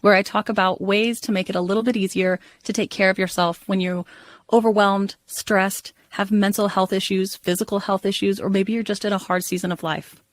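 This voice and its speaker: A woman's voice: mid-range voice, steady tone, brisk. A woman who works as a therapist, reading a scripted promo for her own podcast in a reassuring, plainspoken way.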